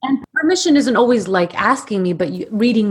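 Lively intonation in a somewhat breathy female voice. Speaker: guest, relationship coach and partner of host. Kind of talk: podcast interview, personal conversation.

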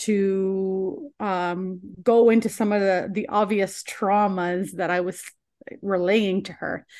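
Against a quiet background, a woman speaks at a very slow pace in a medium pitch with fairly even intonation. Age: 30s. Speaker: energy healer and performance coach. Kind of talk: casual chat.

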